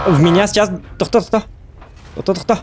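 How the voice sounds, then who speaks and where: The speaker has a strong Yakutian accent and ordinary pitch variation. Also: man. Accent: strong Yakut. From Yakutia, Russia. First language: Yakut (speaking Russian). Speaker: gaming streamer. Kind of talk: live gameplay stream chat. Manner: animated.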